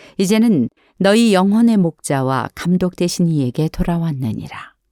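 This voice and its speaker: A woman with an unremarkable speaking voice talks fairly slowly at a fairly low pitch with lively intonation, recorded very cleanly against a silent background with a dry, close sound and no echo. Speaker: retired broadcast announcer. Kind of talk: Bible reading.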